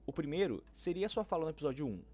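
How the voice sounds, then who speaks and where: A man's voice: fairly high pitch, expressive, fast talker, mellow, faint music behind. A man with a Brazilian accent delivering scripted narration as a fan-theory video narrator.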